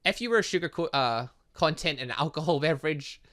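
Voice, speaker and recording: Eccentric female science professor, acted by a man, video game, teasing, flowery formal wording, bright tone. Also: a little high, expressive, fairly quick. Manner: flowery, formal phrasing full of odd metaphors.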